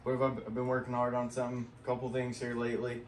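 A man's voice: mid-range voice, monotone, very fast, distant mic, slight background noise. A man hosting a casual vlog, folksy and heartfelt, laughing often as he talks. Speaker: channel host.

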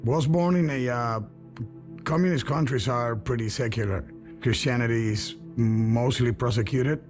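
A man's voice: medium pitch, normal speed, over music. A man from Cuba in his fifties, a truck driver, earnestly telling his testimony. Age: 50s.

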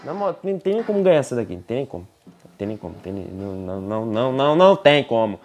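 A young Brazilian man with a Brazilian Portuguese accent, giving excitable gameplay commentary while racing and trash-talking the game. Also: medium pitch, rapid-fire, slight background noise. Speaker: gaming YouTuber.

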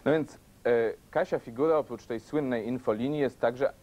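A young male presenter in a TV studio with an audience, playful and joking as he tells a little story. His voice sits mid-pitch and moves easily. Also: normal speed, darkish tone. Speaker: TV show presenter. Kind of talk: humorous presenting.

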